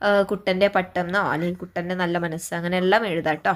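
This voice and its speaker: Gentle woman teacher. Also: on the low side, steady tone, fast. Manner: gentle, patient, calls pupils "children". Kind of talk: primary school lesson.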